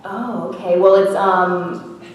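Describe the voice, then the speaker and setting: A woman presenting software at a conference, casual and hesitant, with many fillers and restarts. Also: medium pitch, steady tone, slow, muffled recording. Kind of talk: conference presentation with audience questions. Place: conference room. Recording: echoey room, mic far off, faint noise.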